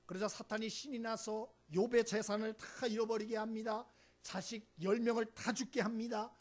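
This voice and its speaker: A man's voice: high-pitched, flat delivery, normal speed. A male senior pastor giving a Sunday sermon in a church, talking to the congregation in a conversational, emphatic way and often checking in with a rhetorical "eh?". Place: church sanctuary.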